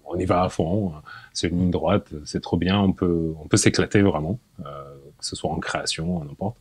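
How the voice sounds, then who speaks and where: A man in his forties, a podcast guest, talking in a relaxed, hesitant way, often repeating words and laughing. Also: low voice, moderate pace, breathy edge, no room sound. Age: 40s. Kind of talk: casual interview.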